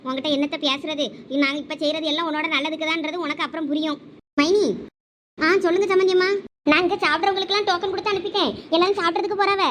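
A woman's voice: extremely high pitch, fairly even intonation, racing, fairly bright tone, a little hiss or hum. A woman with a Thoothukudi Tamil accent performing village family comedy drama dialogue, chatty, scolding and coaxing.

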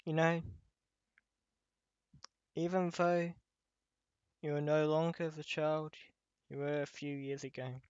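A man playing a gentle, nostalgic childhood teddy bear in an ASMR roleplay, speaking tenderly and wistfully with frequent pauses. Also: fairly high pitch, dry recording, highs cut off. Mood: soothing. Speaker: voice actor. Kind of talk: ASMR roleplay addressed to listener.

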